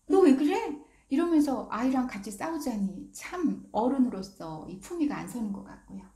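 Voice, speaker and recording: A middle-aged woman gives a parenting lesson as a story, acting out each quoted line with big swings in her voice. Her tone is warm and mellow, a little higher than most. The room around her sounds echoey. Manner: acts out quoted lines with lively shifts in pitch. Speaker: parenting educator.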